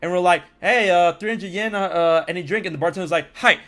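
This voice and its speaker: High, bright-voiced young American man. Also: quick pace. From United States. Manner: animated, acts out quotes with loud jumps. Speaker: podcast host. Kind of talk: casual storytelling chat.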